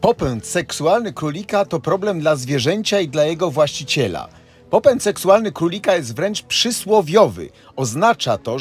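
A middle-aged man with a husky voice, a tour guide narrating a voice-over and listing facts steadily. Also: on the high side. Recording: voice-over with faint background music. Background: faint music.

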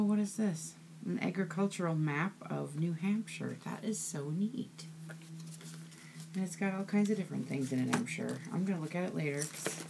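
Her voice is low-pitched with vocal fry, and there's noise in the background. Opening a package of craft supplies in a relaxed unboxing chat, this vlogger greets each piece with "ooh" and "so cute."

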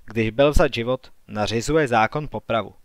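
A man voicing a stern young woman, a prophetess, questioning a slave girl in a calm, firm manner for an audiobook. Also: mid-range voice, no room sound, studio quality, lightly acted.

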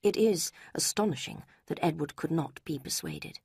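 A woman putting on a hushed pompous gentleman. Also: low voice, huge pitch swings, moderate pace, breathy edge, no echo, clean studio sound, heavily acted. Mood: grave. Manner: grave, hushed, half-whispered. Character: pompous self-satisfied gentleman, brother. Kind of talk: audiobook character reading.

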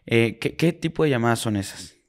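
A man with a Mexican Spanish accent hosts a relaxed podcast chat in a voice of middling pitch. He asks his questions hesitantly, fills pauses with "eh", and backs up his guest with short "ajá"s. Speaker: podcast host. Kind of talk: casual interview.

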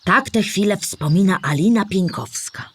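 Clear-spoken female storyteller for children. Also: mid-range voice, lively intonation, normal speed, fairly bright tone. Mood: explanatory, measured. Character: Historyjka, female storyteller explaining Polish history to children. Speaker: narrator of a children's audio drama. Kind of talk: scripted educational narration for children.

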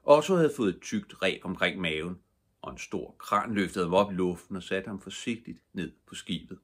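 An older man reading a children's bedtime story aloud, calm and gentle. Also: sits low, slightly rough.

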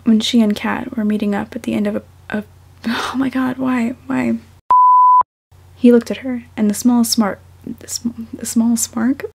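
A young woman speaking softly and unhurriedly, as an amateur reader of her own fiction. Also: a little high, fairly even intonation, unhurried, creaky, slight background noise. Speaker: fan fiction author and podfic reader. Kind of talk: audiobook-style story narration, then casual self-conscious chat.

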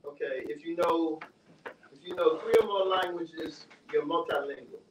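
A man in the audience speaks up playfully, his voice pitched a bit high. He sounds far from the mic in an echoey room. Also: moderate pace, a little hiss or hum. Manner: playful, tells a joke. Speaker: audience member.

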